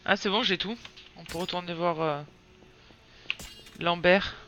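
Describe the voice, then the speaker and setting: A woman's voice: lowish voice, steady tone, a little slow, a bit bright, a little hiss or hum. A woman streaming a game with casual commentary, soothing a crying child between remarks.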